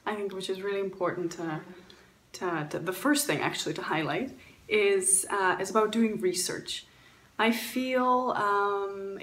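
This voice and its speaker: A woman's voice: fairly low pitch, echoey room. A woman from Poland, raised in Canada, giving earnest travel advice with frequent fillers and restarts. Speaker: guest traveler sharing advice. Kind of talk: recorded talk answering questions.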